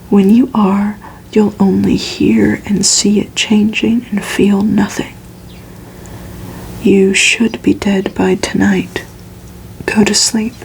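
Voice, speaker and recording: A woman reads a story in a breathy, unvoiced whisper with a crackly edge. Her delivery is very slow and even, hushed and measured in an ASMR style. There is faint noise behind her. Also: medium pitch. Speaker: ASMR reader. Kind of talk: whispered ASMR audiobook reading of a gothic novel.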